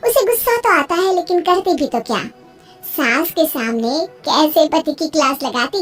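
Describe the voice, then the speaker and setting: A woman narrating a cartoon moral story in a steady, even storytelling way. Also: sits high, normal speed, soft background music.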